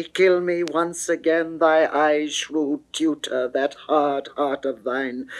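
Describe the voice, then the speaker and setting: A man's voice: medium pitch, lightly acted, poor audio. A man performing an amorous, pleading goddess in dramatic classical verse, theatrical and declamatory. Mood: swooning anguish. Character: amorous, pleading goddess Venus, grand and lovesick.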